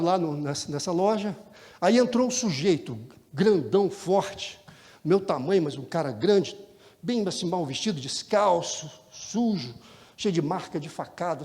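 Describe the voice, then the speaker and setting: A man, preaching a sermon and telling stories, animated and talking straight to the congregation in a church. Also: sits high. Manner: animated, talks directly to the congregation. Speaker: pastor. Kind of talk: sermon with storytelling. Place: church sanctuary. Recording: long church hall reverb.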